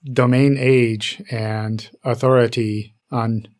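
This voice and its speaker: A man's voice: medium pitch, level tone, slow, darkish tone. A man in casual podcast chat as a co-host, with a dry, tongue-in-cheek way of talking.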